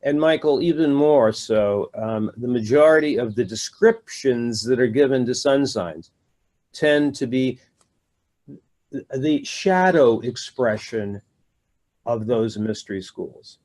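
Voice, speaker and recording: A man's voice: medium pitch, takes it slowly, a little mellow. An older man answering interview questions about his practice, talking in a rambling way with many fillers and restarts. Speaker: astrologer, interview guest.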